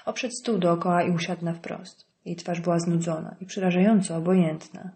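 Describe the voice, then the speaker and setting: A woman narrating an audiobook in a calm, even storytelling manner. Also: lowish voice, normal speed.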